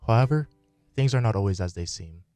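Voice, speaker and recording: A man's voice: lowish voice, lively intonation, brisk, mellow, no echo, soft background music. A man narrating a live radio play from a script in a theatrical storytelling style. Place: radio studio, live performance.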